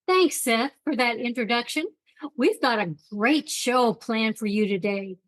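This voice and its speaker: A woman's voice: on the high side, a little slow, a bit bright, dry recording. A woman hosting a podcast, giving a welcome. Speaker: podcast host.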